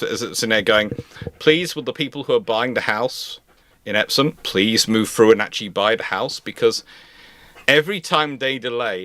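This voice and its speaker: A man with a bright, forceful voice talks casually on a livestream. He rambles and vents with exasperation. The sound is close and very dry, with hardly any room. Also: fairly low pitch, no room sound. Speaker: livestream host.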